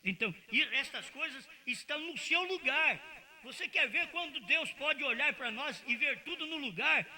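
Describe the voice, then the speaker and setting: A man preaching a sermon, swinging from loud declarations to low murmurs. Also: animated, normal speed.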